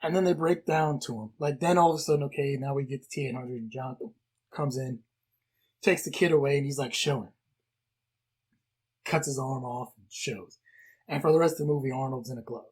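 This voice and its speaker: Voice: medium pitch, fairly even intonation, a little fast, long pauses, darkish tone, slightly rough. A podcast co-host recapping a movie in a rambling, chatty way with lots of fillers. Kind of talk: casual film discussion.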